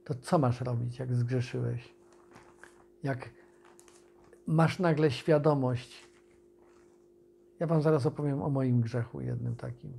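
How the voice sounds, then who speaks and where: A man preaching an informal video sermon, speaking conversationally with pauses and restarts and reading scripture aloud. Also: medium pitch, steady tone, vocal fry, warm tone, a little hiss or hum.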